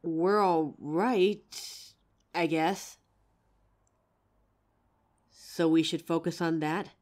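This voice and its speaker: A woman's voice: mid-range voice, a little mellow. A young woman voicing an anxious, protective female werewolf who stammers and sighs as she talks to her partner. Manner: hesitant, stammering, sighing often. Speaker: voice actor in audio roleplay. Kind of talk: audio roleplay for a listener.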